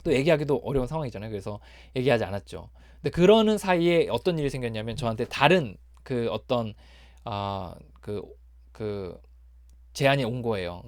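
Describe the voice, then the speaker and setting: A man giving a personal testimony on recovery, speaking haltingly with many fillers and restarts. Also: medium pitch, big pitch swings, a little mellow, dry recording, studio quality.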